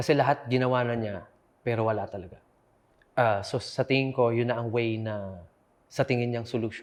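The speech moves at a moderate pace with long, frequent pauses. Its intonation stays fairly even. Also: man. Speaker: actor and fight director. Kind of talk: testimony.

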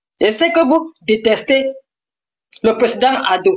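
A woman at a fairly slow pace. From Netherlands, Cameroonian parents. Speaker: debate participant. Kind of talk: heated debate. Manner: animated.

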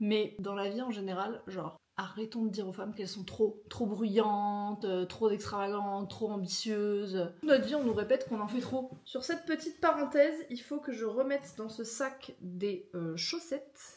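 A woman with lively intonation at a moderate pace over a quiet background. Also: hardly any pauses. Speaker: beauty and lifestyle vlogger; lifestyle vlogger. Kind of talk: casual vlog talking to camera. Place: home room. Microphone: phone near.

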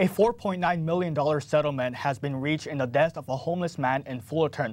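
The recording is very clean, with a silent background. A man with a plain, everyday voice speaks with lively intonation. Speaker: news anchor. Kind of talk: scripted newsreading. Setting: studio.

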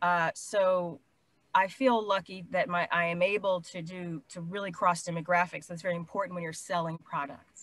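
A woman speaks at a moderate pace in a fairly low pitch, with fairly even intonation but big swings in loudness. The sound is dry, with no echo. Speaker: voice-over artist and actor. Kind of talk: casual interview. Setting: video call. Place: booth. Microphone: video call.

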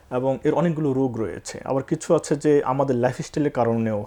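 Over a quiet background, a man talks in a fairly high pitch with a dark, mellow tone. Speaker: vascular surgeon. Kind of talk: expert interview on live health show. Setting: studio.

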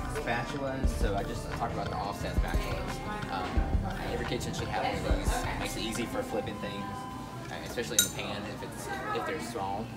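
With loud music playing behind him, a man speaks at a very fast pace. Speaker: vlogger showing kitchen tools. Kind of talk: casual vlog chat. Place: shop.

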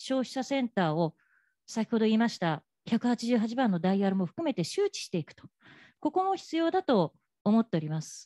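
Against a quiet background with dry sound and no echo, a woman's dark, mellow voice moves through very wide pitch swings. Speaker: local councillor. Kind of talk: presentation. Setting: video call. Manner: formal. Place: meeting room. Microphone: handheld.

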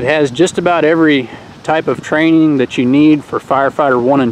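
A man at a moderate pace, fairly even in intonation, with light background noise and a dry sound with no echo. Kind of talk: casual walkthrough commentary. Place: open country. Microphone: phone near.

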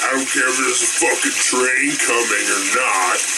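Loud background noise runs behind the speaker. A man talks at a fairly slow pace. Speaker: comedic vlogger. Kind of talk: casual vlog chat. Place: forest. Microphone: phone near.

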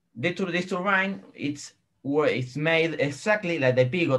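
A man with an Argentine accent and lively intonation, against a quiet background. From Argentina. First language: Spanish. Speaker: high school technical teacher. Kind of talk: online conference presentation. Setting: video call. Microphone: video call.

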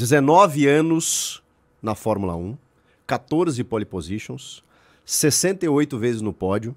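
With a Brazilian accent, a man speaks at medium pitch and a very slow pace. His intonation is lively, and the background is quiet. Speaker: sports journalist, co-host. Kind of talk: casual interview. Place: studio. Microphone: studio mic.

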